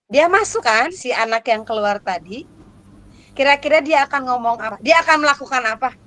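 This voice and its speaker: A woman lecturer with a high voice leads a lively workshop for teachers. She keeps tossing questions at the audience and talks in a playful, animated way. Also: brisk. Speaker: lecturer for teacher exam prep.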